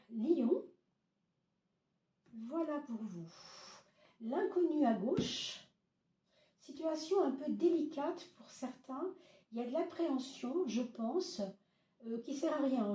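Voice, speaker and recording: Hoarse woman reading tarot, echoey room. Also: high-pitched, expressive, measured pace, far from the mic, highs cut off. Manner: hesitant, many fillers, gentle reassuring address. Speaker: tarot reader. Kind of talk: casual tarot reading to camera. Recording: roomy echo, voice off-mic.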